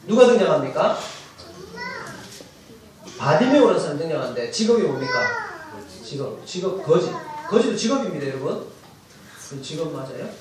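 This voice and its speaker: A man preaches to his congregation with a lively, swooping delivery, firing questions at them and pushing up into shouts. He sounds distant from the microphone. A long, heavy echo fills the church hall around him. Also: fairly high pitch, slight background noise. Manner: animated preaching, quizzes the congregation, rises to shouts. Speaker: pastor. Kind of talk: sermon. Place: church sanctuary. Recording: very echoey church hall, mic far off.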